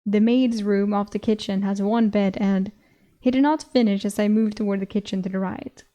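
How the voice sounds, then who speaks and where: A woman's voice: medium pitch, fairly even intonation, moderate pace, warm tone, muffled recording. A young woman with a Swedish accent, a native Swedish speaker, reading a fantasy novel aloud and stopping to chat and giggle between passages. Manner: giggly, breaks into laughter. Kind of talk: audiobook reading with commentary.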